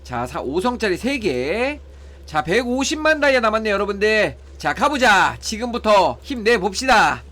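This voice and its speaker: A man gives casual play-by-play of his mobile game pulls, tallying the results and begging for good draws. His voice is high, very animated, bright and forceful, at a normal speed.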